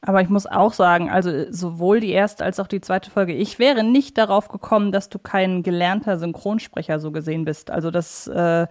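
A woman's voice: fairly low pitch, brisk, hardly any pauses, a little mellow. A woman co-hosting a casual, conversational podcast interview.

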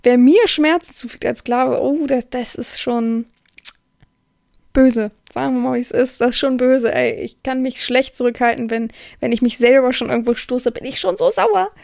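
A woman's voice: sits high, normal speed, gravelly, a little mellow, no room sound, studio quality. A woman hosting a podcast in a casual, rambling monologue, strict and outspoken, often restarting her sentences. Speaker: podcast host.

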